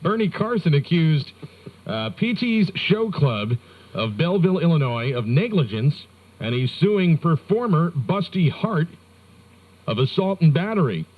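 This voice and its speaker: A man's voice: on the high side, measured pace. Wry American morning radio man, narrow-band recording. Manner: wry, joking asides between deadpan story reading. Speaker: morning radio host reading news and sports. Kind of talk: comic news banter on rock radio. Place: radio studio.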